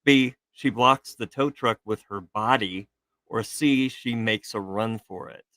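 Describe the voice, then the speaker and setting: Bright-voiced man hosting a playful live show. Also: fairly low pitch, unhurried, dry recording. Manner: playful, joking. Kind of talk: casual quiz-style commentary on video.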